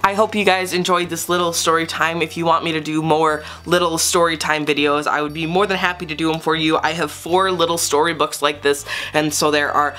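Bright-voiced bedtime story reader. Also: male voice, fairly high pitch, level tone, fairly quick, hardly any pauses. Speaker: channel host reading a story.

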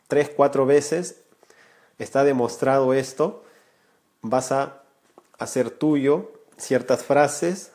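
A man in his thirties speaks earnestly to his viewers on a live stream, teaching and gesturing as he goes. His voice sits at an ordinary middle pitch. He is recorded through a webcam in a small room indoors. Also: a little mellow. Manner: earnest, gestures with hands, addresses viewers directly. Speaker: Spanish teacher, channel creator. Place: small room indoors, warm lamp light.

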